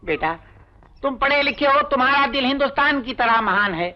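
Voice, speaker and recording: A man's voice: very high-pitched, expressive, highs cut off. An actor playing a scheming, sarcastic village accountant and father in an old film comedy scene. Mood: fawning. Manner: sarcastic, fast-talking, full of quips. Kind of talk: 1980s film comedy acting.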